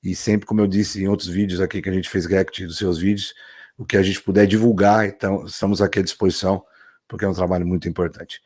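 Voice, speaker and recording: A man's voice: deep voice, level tone, quick pace, breathy edge. A man from Brazil hosting a reaction video, talking to viewers and praising what he has just watched. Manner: warm, repeats praise, addresses viewers directly. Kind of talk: casual reaction commentary.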